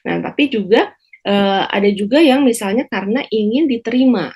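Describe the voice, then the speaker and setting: A woman psychiatrist explaining slowly on a talk show, with frequent pauses and fillers. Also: mid-range voice, expressive, a little mellow, slightly rough. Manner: measured, many hesitation fillers. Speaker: psychiatrist guest.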